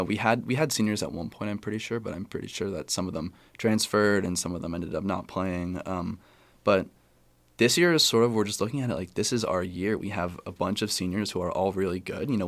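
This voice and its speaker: Young man, American accent, very low pitch, quick rambling delivery, casual interview guest, self-correcting. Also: gravelly, no room sound. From California, USA. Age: young adult, about 20. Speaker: college tennis player, interview guest.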